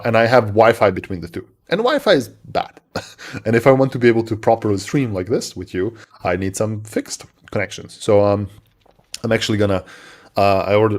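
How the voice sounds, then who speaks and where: A man from Serbia, a native Serbian speaker, co-hosting a casual tech chat on a live stream in a halting way, often repeating his words. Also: fairly low pitch.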